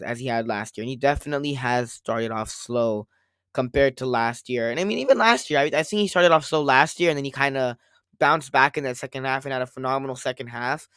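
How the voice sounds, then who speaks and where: A man co-hosting a casual sports podcast, rambling and circling back to his points, a little hoarse after a cold. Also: a little high, a bit bright, dry recording, studio quality. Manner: rambling, repeats himself, quotes others. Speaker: podcast co-host.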